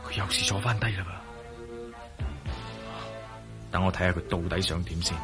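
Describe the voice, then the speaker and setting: A man's voice: low voice, steady tone, moderate pace, over music, natural voice. An actor in a Cantonese radio drama playing a wry, level-headed adventurer who mutters his thoughts aloud, with a Cantonese accent. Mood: musing. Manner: wry, muttering inner monologue. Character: wry, cool-headed male adventurer hero. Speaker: lead and narrator of his own thoughts.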